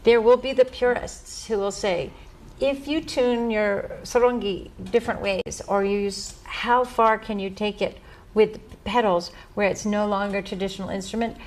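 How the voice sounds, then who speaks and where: A woman's voice: medium pitch, steady tone, normal speed. An American woman, a professional mandolin player, chatting as a guest and telling stories with a laugh at herself. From United States. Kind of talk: casual interview chat.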